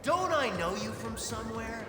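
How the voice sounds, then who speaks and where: Shrill, manic wisecracking antihero. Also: male voice, animated, normal speed. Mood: flippant. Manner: ranting, mock-offended, clownish. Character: manic wisecracking male antihero, childish and loud. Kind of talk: video game cutscene acting. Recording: loud music behind.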